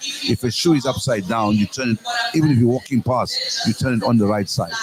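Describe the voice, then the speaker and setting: Speaking very fast, a man uses a medium pitch with ordinary pitch variation. There is noticeable background noise behind him. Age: 60s. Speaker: radio host. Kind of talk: casual chat. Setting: live broadcast at exhibition.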